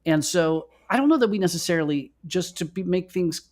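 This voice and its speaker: A man co-hosting a podcast in casual chat, halting and often correcting himself as he goes. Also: high-pitched, expressive. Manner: halting, self-correcting, hedging. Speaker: podcast co-host.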